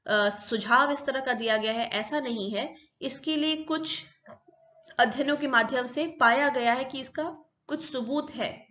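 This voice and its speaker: A woman's voice: sits high, fairly bright tone, dull audio. Woman explaining a psychology lesson. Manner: explains step by step, repeating terms. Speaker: psychology teacher. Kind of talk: recorded lecture.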